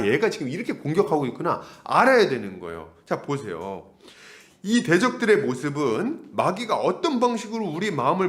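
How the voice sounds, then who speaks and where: A male pastor delivers a sermon in a high, animated voice whose pitch swings widely. He keeps asking the congregation rhetorical questions and slips into the voices of the people he describes. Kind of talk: expository sermon.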